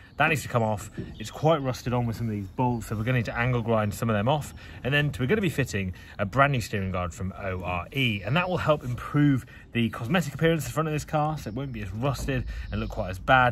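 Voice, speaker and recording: A very fast, somewhat breathy delivery with lively intonation over light background noise. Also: man. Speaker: car DIY vlogger. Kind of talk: tutorial. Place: garage. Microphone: phone near.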